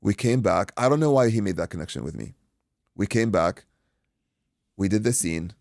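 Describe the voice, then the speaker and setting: Gravelly low-voiced man telling a story. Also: moderate pace, no echo, studio quality. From Iraq. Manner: animated, acts out quotes, swears freely. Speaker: guest, boxing coach. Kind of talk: casual storytelling.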